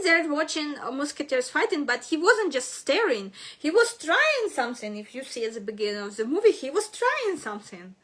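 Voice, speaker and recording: Here a woman with a non-native accent speaks at a moderate pace with a high pitch. Her tone is bright and sharp, with very wide pitch swings. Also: big swings in loudness. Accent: non-native English, noticeable. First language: not English. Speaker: astrology and numerology channel host. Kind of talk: casual video monologue. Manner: halting, with many fillers.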